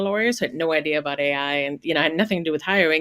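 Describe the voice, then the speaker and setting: A woman with a slight German accent talks at a very fast pace. Her pitch is very deep and low, with ordinary pitch variation. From Germany. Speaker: journalist and author. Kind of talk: interview. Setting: home office, video call. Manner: many fillers and repetitions.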